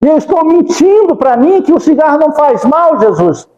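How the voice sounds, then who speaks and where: Fervent, pleading prayers fill a spiritist center hall as a male lecturer with a high, mellow voice keeps invoking Jesus during a devotional talk. His delivery is sing-song and a little fast, echoing with long reverb, and the recording's highs are cut off.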